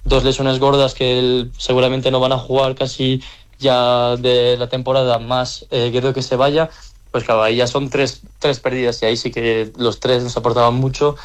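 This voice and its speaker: A young handball player from the Country, answering interview questions casually, with lots of hesitant fillers. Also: male voice, medium pitch, little pitch movement, moderate pace. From French Basque Country.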